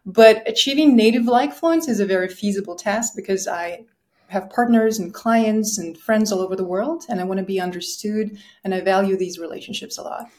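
A woman's voice: mid-range voice, a little fast, a little mellow. A woman from Kazakhstan, an English teacher speaking earnestly and emphatically as a podcast guest. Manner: earnest and emphatic about her views on learning. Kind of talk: podcast conversation.

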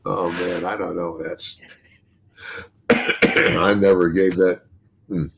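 Older man, deep bass voice, slow husky delivery, halting podcast chat. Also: level tone, fairly bright tone. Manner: halting, repeats himself, laughs often. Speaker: podcast host and retired wrestler.

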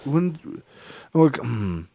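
Slow, lively-voiced man who laughs a lot. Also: medium pitch, creaky, no room sound. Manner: reacts with quick quips and frequent laughter. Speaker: podcast co-host. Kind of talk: casual political commentary chat.

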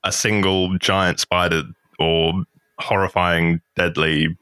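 A man's voice: sits low, level tone, slow pace, pushed and bright, smooth, dry recording, studio quality. A man, a professional game master, chatting on a podcast in a rambling way. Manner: rambling, self-correcting storyteller. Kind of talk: casual podcast chat.

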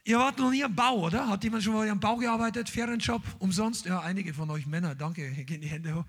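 A man preaching a charismatic sermon to a congregation, emphatic and animated, dropping English words and shouting out exclamations. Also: high voice, quick pace, breathy edge. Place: church hall with congregation, streamed online.

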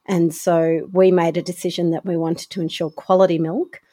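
Australian woman, lowish voice, unhurried. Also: level tone, warm tone. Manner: unhurried, thoughtful, with small restarts. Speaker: guest farmer. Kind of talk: casual interview talk.

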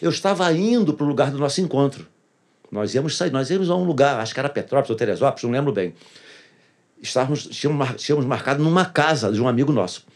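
A man's voice: medium pitch, expressive, fast talker. A pastor tells his personal testimony in a casual interview, earnestly repeating phrases for emphasis.

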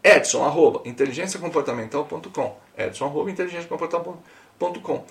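A Brazilian man coaches his listeners with emphasis, speaking straight to them in a gravelly, creaky voice. He sits a little back from the microphone, so his voice sounds distant. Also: on the high side, lively intonation, quick pace, a bit bright. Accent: Brazilian Portuguese. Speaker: podcast host, coach. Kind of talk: podcast monologue.

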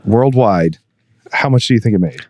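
A man's voice: fairly low pitch, animated, normal speed, a little mellow, no room sound, studio quality. A young adult man co-hosting a podcast, chatting casually, laughing a lot and rambling with fillers. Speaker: podcast co-host. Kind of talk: casual chat.

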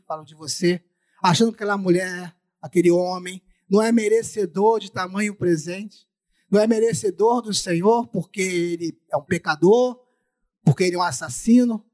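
Brazilian guy preaching a sermon w a face mask on, really high voice, repeats stuff for emphasis. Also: darkish tone. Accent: Brazilian Portuguese. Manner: muffled from speaking through a face mask; repeats phrases for emphasis, acts out dialogue.

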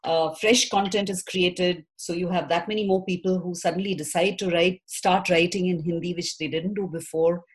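Woman guest, lowish voice, thoughtful and halting. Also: steady tone, rough recording. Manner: thoughtful, with frequent restarts and hesitations. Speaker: poet and theatre practitioner guest. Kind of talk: reflective interview answers.

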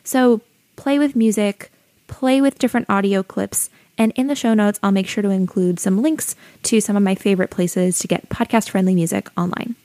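A young adult woman with a soothing voice, hosting her own podcast and calmly giving friendly advice like a teacher. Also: mid-range voice, normal speed, dry recording. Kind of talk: solo educational podcast talk.

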